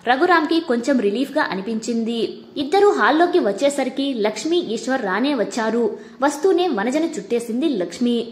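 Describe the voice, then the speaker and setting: Woman story reader, calm and steady, fairly high voice. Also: moderate pace. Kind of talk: scripted narration.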